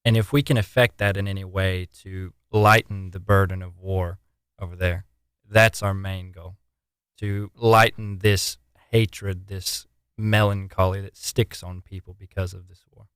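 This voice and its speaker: A twenty-year-old man answering interview questions in a measured, earnest way. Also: low voice, fairly even intonation, fairly bright tone, clear, resonant tone, dry recording. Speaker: interview guest, relief volunteer.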